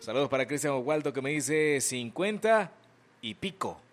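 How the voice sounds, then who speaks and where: A young Salvadoran man hosts an afternoon radio show, chatting casually, reading listener greetings and messages, and reading ads while he fights a cold and sore throat. He has a medium-pitched, animated voice at normal speed, and he's chatty and jokes about himself. It's a radio broadcast with music playing behind him.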